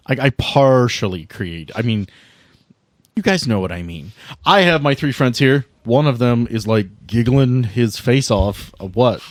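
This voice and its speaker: Playful man hosting, very lively pitch. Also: dry recording, studio quality. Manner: playful, joking. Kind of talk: casual podcast banter and game narration.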